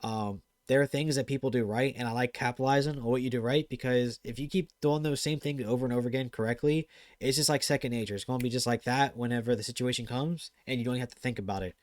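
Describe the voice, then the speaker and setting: Hosting a gaming channel, this man gives casual commentary over viewer clips, talking fast, getting excited, and using plenty of fillers. His pitch is medium and there's no echo.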